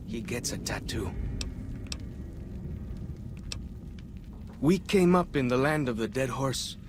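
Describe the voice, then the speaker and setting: A man playing a young, earnest tribal scout and guide in a video game, plain-spoken with simple, slightly halting phrasing. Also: medium pitch, background noise, close to an everyday voice. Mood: frank, chatty. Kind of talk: video game cutscene dialogue.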